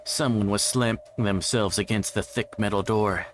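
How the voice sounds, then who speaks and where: A man's voice: lowish voice, steady tone, moderate pace, a little hiss or hum. A man reading a visual novel's narration aloud on a livestream, in a storytelling style. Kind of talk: dramatic read-aloud narration of a game script.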